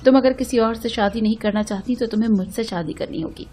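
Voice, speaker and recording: Calm, sorrowful rich young man, matter-of-fact, read by a female storyteller. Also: a little high, fast, slightly rough.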